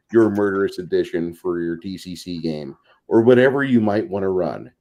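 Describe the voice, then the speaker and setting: This podcast panelist on a tabletop gaming show has a low, dark-toned voice. He's salty-tongued and opinionated, speaking casually and emphatically with plenty of cursing.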